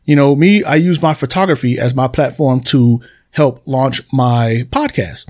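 A man's voice: medium pitch, a little slow, a little mellow. A man hosting a solo podcast, talking casually to his listeners and repeating phrases for emphasis. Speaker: podcast host. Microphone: computer desk recording.

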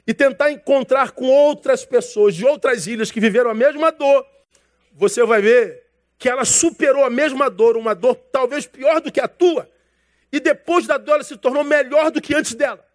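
A man's voice: very high voice, moderate pace. A man preaching a sermon as a pastor. He talks in a casual, slangy way, calls his listeners brother, and acts out dialogue from his stories.

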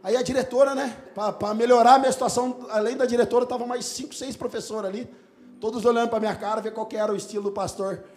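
A male pastor telling a story in a sermon, animated and lively, sometimes breaking into shouts and laughter. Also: extremely high pitch, fast talker.

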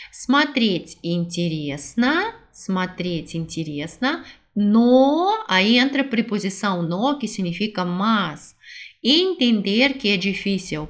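A woman teaching a language lesson, repeating each phrase slowly and switching between two languages to explain it. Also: medium pitch.

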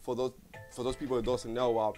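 A man in his thirties, a Spanish speaker, speaks as a studio guest in an easygoing, rambling way, circling back and restarting often. His voice sits at an ordinary middle pitch. Faint music plays behind him. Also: level tone, fast talker, darkish tone. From Puerto Rico. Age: 30s. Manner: rambling, heartfelt, many fillers and restarts. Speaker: guest, business owner. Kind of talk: casual interview talk.

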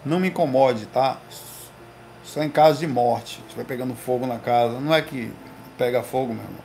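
A man hosting a casual livestream from his home, telling slangy, animated stories to his viewers. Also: medium pitch, brisk, creaky, slight background noise. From Recife, Brazil. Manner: slangy, animated storytelling with lots of "velho" and "cara". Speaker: livestream host. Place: home room.

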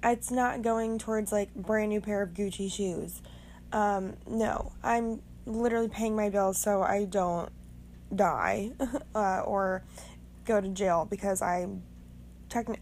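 A young woman with a raspy voice, just woken up, rambling frankly and swearing casually as the host of her own podcast. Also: mid-range voice, a little mellow, a little hiss or hum. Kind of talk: casual monologue.

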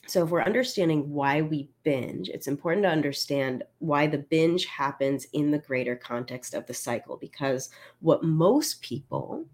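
A woman speaking live to her listeners as a coach. Her voice sits low, and she sounds congested. She talks in a chatty, candid way, restarting sentences and laughing lightly. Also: normal speed, darkish tone. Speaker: binge eating coach. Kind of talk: live-stream talk to listeners.

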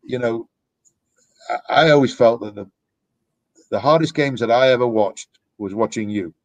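A man's voice: medium pitch, normal speed, dry recording, lo-fi sound. Middle-aged man, dry close sound. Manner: reflective, rambling with restarts. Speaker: youth soccer coach, guest. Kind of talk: casual podcast conversation. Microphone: podcast microphone.

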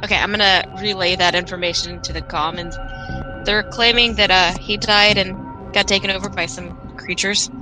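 Female game player, mid-range voice, casual roleplay delivery, music clearly underneath. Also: mid-range voice, steady tone, moderate pace, low-quality recording. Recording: loud music bed behind the voice.

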